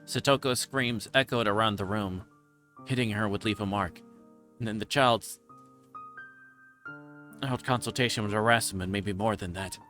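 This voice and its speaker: A male streamer narrates a visual novel in a fairly low voice. He reads the prose aloud with faint music underneath. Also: moderate pace, long pauses, sharp tone. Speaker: livestreamer.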